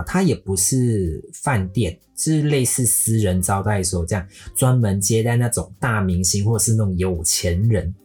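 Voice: mid-range voice, a little mellow, breathy edge. A podcast host from Malaysia, speaking Mandarin with a Malaysian accent, telling a story in a playful way and slipping English words into the talk.

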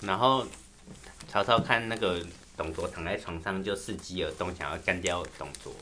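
A man adding to a casual retelling of a classic story, in a measured, explaining way. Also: sits low, bright, forceful tone, a little hiss or hum.

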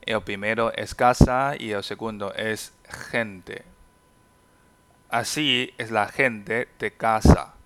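A man whose first language is Chinese teaches a podcast language lesson, explaining words patiently and saying example sentences slowly and carefully. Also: on the low side, steady tone, fairly bright tone, clean tone.

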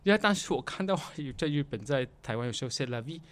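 Male interview guest, mid-pitched, conversational and halting, drops in English words. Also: animated. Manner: halting, repetitive, mixing English words into Mandarin.

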